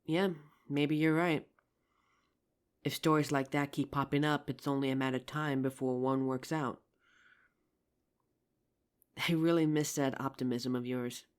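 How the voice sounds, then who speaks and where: A performer playing a regretful, tender zombie apocalypse survivor in an intimate audio roleplay, speaking earnestly with hesitant pauses. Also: mid-range voice, fairly even intonation, clear, resonant tone, lightly acted. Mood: somber, gentle. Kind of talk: ASMR audio roleplay, intimate scripted drama.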